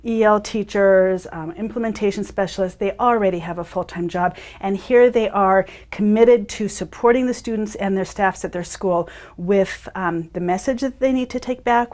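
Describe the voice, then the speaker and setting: A woman's voice: medium pitch, darkish tone. A woman, a district administrator, speaking fluently and appreciatively in an interview. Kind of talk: interview answer.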